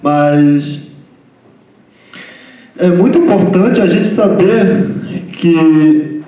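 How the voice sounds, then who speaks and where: Halting man in an echoey lecture hall. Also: a little high. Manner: halting, repeats "né?" constantly. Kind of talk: informal lecture talk. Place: lecture room. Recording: echoey hall from far off, dull sound.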